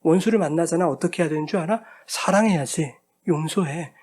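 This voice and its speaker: A man's voice: a little high, fairly quick, darkish tone, husky. Brief: a man doing a plain-spoken teacher giving curt, casual advice. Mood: instructing.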